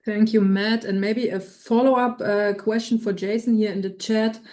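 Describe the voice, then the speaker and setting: A woman's voice: medium pitch, fairly even intonation, normal speed, darkish tone. A woman moderating an earnings call, passing along and reading out questions for the speakers.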